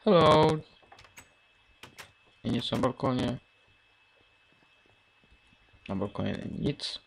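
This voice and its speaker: In casual Let's Play commentary, a young man in his late teens mutters and reasons aloud over his game, clicks of keys and mouse behind him. His voice is medium-pitched and steady with vocal fry, and there is a little hiss or hum.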